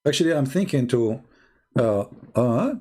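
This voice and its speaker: A man from the Arab world, hosting a live commentary stream in a sarcastic, mocking, halting way. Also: medium pitch, animated, warm tone. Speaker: channel host.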